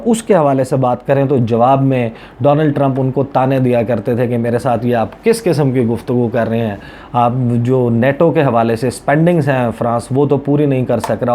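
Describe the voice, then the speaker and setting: Mellow-voiced Pakistani man explaining news. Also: mid-range voice, a little hiss or hum. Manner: explanatory, conversational, Urdu mixed with English words. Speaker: journalist covering foreign policy, presenter. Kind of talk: news commentary addressed to viewers.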